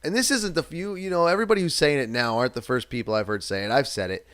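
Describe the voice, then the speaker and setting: A man's voice: medium pitch, fast talker, a bit bright, clear, resonant tone, dry recording. A man in his thirties from New England, hosting a live stream in casual, rambling chat, swearing now and then and reading viewer comments aloud.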